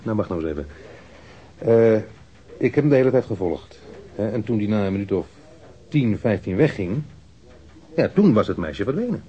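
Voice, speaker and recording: A man's voice: on the low side, big pitch swings, normal speed, long pauses, mellow. An actor playing an evasive street mugger in a radio drama, defensive and rambling as he answers police questions in slangy, hesitant speech. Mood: insistent, irritated. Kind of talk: naturalistic radio drama acting. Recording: dull lo-fi radio recording.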